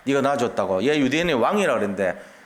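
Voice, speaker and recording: A man's voice: mid-range voice, very animated, fast, roomy sound, lightly acted. A blunt threatening mob, as a man preacher acts it out. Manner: blunt, menacing, colloquial. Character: angry threatening crowd of accusers.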